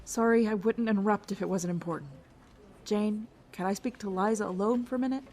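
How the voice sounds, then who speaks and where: A woman's voice: mid-range voice, brisk, a little mellow, close to an everyday voice. An actress playing an apologetic, worried woman seeking a private word in an audio drama. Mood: anxious apology. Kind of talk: full-cast audio drama acting.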